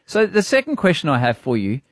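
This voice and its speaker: A man's voice: fairly high pitch, wildly swooping pitch, a little fast, husky, no room sound, clean studio sound. An Australian man hosting a casual radio chat, joking and asking teasing questions with frequent laughter. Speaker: radio host. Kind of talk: casual banter.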